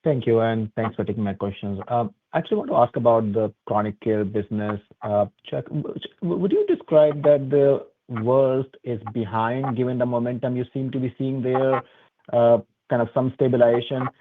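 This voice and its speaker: A man's voice: mid-range voice, normal speed, dry recording. A man working as a financial analyst, asking questions on an earnings call. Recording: dry, narrow phone-like call line.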